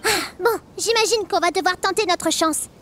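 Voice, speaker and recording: A woman voicing a tiny, excitable, cheeky childlike fairy companion in a game dub. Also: extremely high pitch, moderate pace. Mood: indignant, excitable. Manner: exclamatory, naive, bubbly. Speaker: amateur voice actor dubbing a game character. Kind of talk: scripted game dialogue dub.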